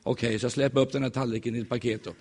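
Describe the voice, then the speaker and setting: A man preaching in a church, telling stories in a lively, joking way and acting out the voices of the people in them. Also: medium pitch, husky. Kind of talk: humorous sermon storytelling.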